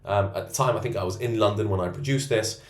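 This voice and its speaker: Man, very deep voice, boastful, self-assured coach, roomy echo. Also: fast. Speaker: men's self-improvement coach. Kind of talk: self-rating monologue to camera. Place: co-working space.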